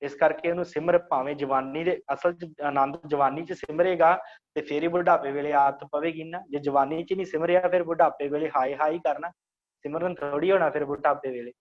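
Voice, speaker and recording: A man teaching an online scripture class, explaining slowly and repeating phrases to guide pronunciation. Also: a little high, fairly even intonation, highs cut off.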